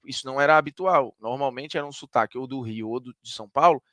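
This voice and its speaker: A man's voice: medium pitch, quick pace, a bit bright, dry recording. A man from Ceará with a Northeastern Brazilian accent, a sports commentator giving an emphatic, conversational opinion monologue that argues point by point.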